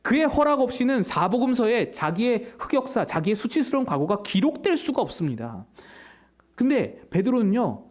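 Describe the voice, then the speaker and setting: A woman's voice: fairly high pitch, very animated, moderate pace, a little mellow. A woman pastor preaching a Sunday sermon, telling a story with animation and asking the congregation questions.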